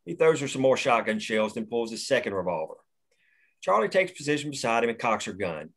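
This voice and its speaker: A man reading the action lines of a screenplay aloud at a table read, steady and plain. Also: medium pitch, a little fast. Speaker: narrator reading stage directions.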